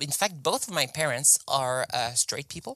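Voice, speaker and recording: A woman in a French Canadian accent, with a very deep, low pitch and a bright, sharp tone. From Quebec, Canada. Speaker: cartoonist and author. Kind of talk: author talk to library audience. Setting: stage with audience in library. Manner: hesitant, many fillers and restarts; playful, joking.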